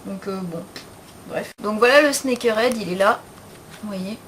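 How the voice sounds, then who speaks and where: A woman's voice: medium pitch, normal speed, a bit bright, a little hiss or hum. A young woman talking casually in a beauty haul video, chatty and frank, with slang and many fillers. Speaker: beauty vlogger.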